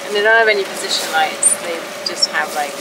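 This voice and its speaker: A woman's voice: on the low side, fast. A woman in her forties, a solo sailor, chatting casually to the camera in her boat's cockpit at sea, musing with lots of "like" fillers. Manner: relaxed, musing, many "like" fillers. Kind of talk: casual vlog talk to camera. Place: open sailboat cockpit at sea, outdoors. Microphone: handheld camera close up. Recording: distant camera mic, loud wind and engine noise.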